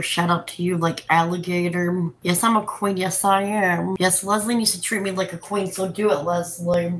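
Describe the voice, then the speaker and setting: A woman's voice: fairly low pitch, fairly bright tone, low-quality recording. A sassy woman in her thirties chatting live into a phone camera held close in a cluttered hotel room. She rambles and pushes back at her viewers. A faint hum of room noise runs behind her. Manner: sassy, defensive, talks to chat. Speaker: livestreaming vlogger. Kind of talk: rambling live stream chat.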